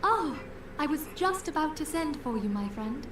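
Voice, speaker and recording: An actress playing a grave, eloquent noblewoman leader in a fantasy game, speaking formally and deliberately in archaic phrasing. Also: high-pitched, sing-song. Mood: concerned. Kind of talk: scripted fantasy game dialogue. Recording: roomy, distant game audio with noise.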